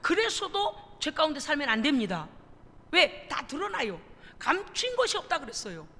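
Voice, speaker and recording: In a church sanctuary, a woman pastor preaches an earnest sermon full of rhetorical questions. Her voice sits high, pushed and bright, with huge pitch swings at a moderate pace, and the hall is reverberant with faint noise.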